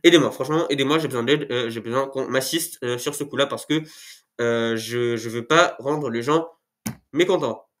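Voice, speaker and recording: A man's voice: medium pitch, moderate pace, fairly bright tone. Male youtuber, chatty and goofy, self-mocking, a bit sniffly from a cold, talking to camera at home. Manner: rambling, joking, self-mocking asides. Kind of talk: casual talking-head video. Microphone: camera mic.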